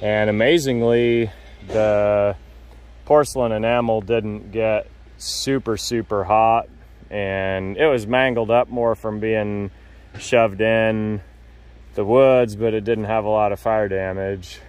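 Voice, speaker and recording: A man calmly narrating a casual walk-around tour of a wooded car lot outdoors, in matter-of-fact, unhurried remarks. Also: on the low side, smooth. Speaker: vlogger touring a car lot.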